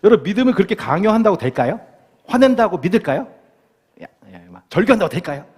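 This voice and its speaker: A male pastor preaches with a fairly high, lively voice that swings up and down as he quizzes the congregation. His delivery is playful and animated. The sound carries a long church-hall reverb from a live service recording. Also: fast talker, husky. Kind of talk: sermon. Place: church sanctuary.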